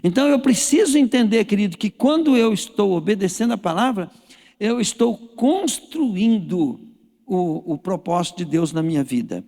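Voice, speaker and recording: Brazilian pastor, man, gravelly high voice that swings widely, folksy sermon in a reverberant church hall. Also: animated, moderate pace, warm tone. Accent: Brazilian Portuguese. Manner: folksy, storytelling, addresses the congregation directly.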